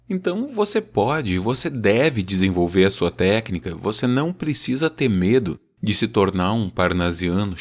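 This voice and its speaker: A podcast host with a fairly low man's voice talks through the basics of meter in a loose, conversational way. When he gives an example, he slows right down to let the strong and weak syllables land. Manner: teaching, speaks examples out slowly to stress the beat. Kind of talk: casual explanatory talk about poetry.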